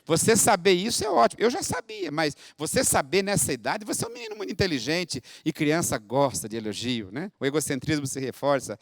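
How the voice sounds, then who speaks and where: Brief: middle-aged male professor, story-led lecturer, slightly high voice, close dry mic. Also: very animated, brisk, gravelly, hardly any pauses, dry recording. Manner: anecdotal, frequently tags with rhetorical "né?". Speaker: university professor giving a keynote talk. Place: conference hall.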